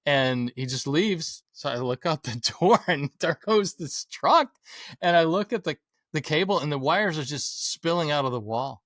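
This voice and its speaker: A man's voice: on the high side, expressive, moderate pace, a bit bright, dry recording. Engaged male podcast host, dry mic. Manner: engaged, shares own anecdotes. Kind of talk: interview questions and chat.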